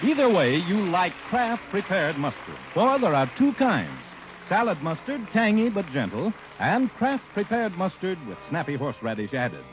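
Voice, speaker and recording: A male announcer pitching a product in a punchy 1950s radio style. His voice swings through a very wide range of pitch. A muffled old broadcast sound carries it, with music underneath. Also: sing-song, moderate pace, background noise.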